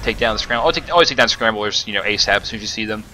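A man's voice: fairly low pitch, very fast, bright, forceful tone, slight background noise. A man giving casual, rambling commentary over his own gameplay footage, with many fillers and restarts. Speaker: gaming commentator.

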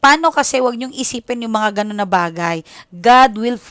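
A woman's voice: a little high, animated, normal speed, fairly bright tone, no echo, clean studio sound. A Filipino woman with a Filipino accent, giving a casual tarot reading and chatting to her viewers in a mix of Tagalog and English. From Philippines. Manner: chatty, switches into English, frequent "okay?". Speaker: tarot reader.

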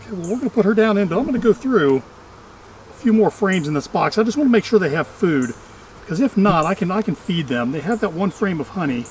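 A man's voice: high voice, animated, fairly quick, slight background noise, low-quality recording. A middle-aged man giving casual running commentary as a beekeeping vlog host, chatty with dry humor, recorded outdoors. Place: outdoors among trees at beehives.

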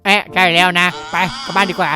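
A man's voice: high voice, flat delivery, fast, over music. A man improvising as a companion character in a game roleplay. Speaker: player acting as companion in a Minecraft roleplay.

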